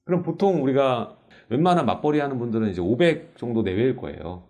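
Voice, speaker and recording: A man hosting a talk show, his pitch rising and falling a lot as he works through numbers step by step. His voice sits in a mid range and his delivery is casual and explanatory. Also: fast talker, lo-fi sound. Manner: animated, explains figures step by step. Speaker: host.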